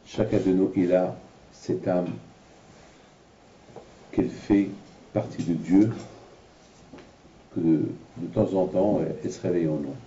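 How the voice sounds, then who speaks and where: Speaking low and measured with long pauses, a rabbi from Morocco gives a Torah lesson at an evening lecture in a large room, bringing his personal stories to life by acting out each voice. The recording is dull and lo-fi, taken from afar in an echoey space with slight hiss or hum.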